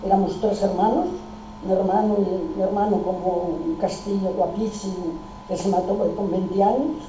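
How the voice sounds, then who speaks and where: A woman's voice: mid-range voice, steady tone, normal speed, background noise. An older woman, emphatically recounting family memories and acting out old conversations. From Spain. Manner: emphatic, restarts often, acts out dialogue. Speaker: oral history participant. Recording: roomy, distant, dull lo-fi recording.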